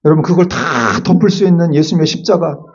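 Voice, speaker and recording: A male pastor giving a lively Sunday sermon, acting out quotes and adding casual asides to the congregation. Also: on the high side, fast, husky, muffled recording. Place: church sanctuary.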